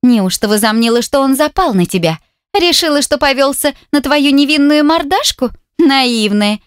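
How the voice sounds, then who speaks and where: A woman's voice: high voice, expressive, moderate pace, dry recording, clean studio sound, voice pushed up. A woman reading an audiobook, voicing a coquettish, spiteful young woman who taunts over the phone. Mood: mocking, venomous. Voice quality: mocking, sugary and spiteful. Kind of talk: audiobook character voice.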